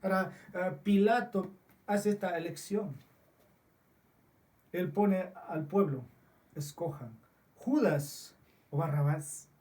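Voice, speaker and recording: A man preaching a sermon as pastor, slow and deliberate with frequent restarts, recorded in a church. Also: high voice, a little mellow, distant mic. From Peru.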